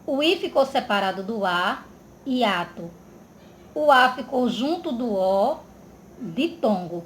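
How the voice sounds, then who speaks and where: A woman teaches grammar to children in a slow, deliberate way, stretching words and pausing to check understanding. Her voice sits a little high. The recording is echoey, with faint background noise. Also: animated.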